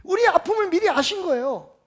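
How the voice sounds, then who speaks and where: A man giving a Sunday sermon as pastor, emphatic and full of rhetorical questions, swinging between loud and soft. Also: extremely high pitch, lively intonation, fast talker.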